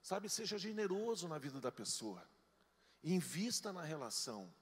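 A male pastor delivers a sermon with an animated storytelling style, his voice swinging widely and often leaping high to quote people. His pitch sits a bit high for a man. The sound carries a long reverb, as if in a large church hall. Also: normal speed.

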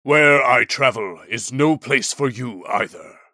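A man performs a mighty elemental shaman for a fantasy audiobook. The voice is booming and forceful, with slow, weighty phrasing. He sounds grave, commanding and kindly at heart. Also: expressive, no room sound, studio quality. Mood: grave, firm. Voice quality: deep, booming.

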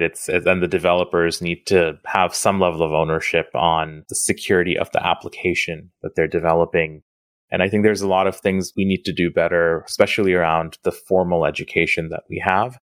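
A man's voice: low-pitched, fairly bright tone, dry recording, clean studio sound. A man from Bangladesh hosting a podcast interview in a conversational style. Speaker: podcast host.

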